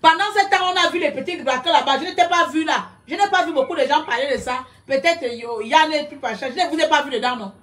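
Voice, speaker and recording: Woman streamer, high-pitched, loud and combative, shouts at her viewers over a webcam. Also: fast, hardly any pauses. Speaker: live-stream commentator. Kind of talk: heated live-stream rant. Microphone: computer webcam.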